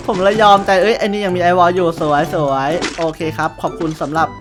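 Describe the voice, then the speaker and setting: A young man giving excited gameplay commentary, taunting opponents and repeating short calls over and over. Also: sits high, fast, music in the background. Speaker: gamer streamer.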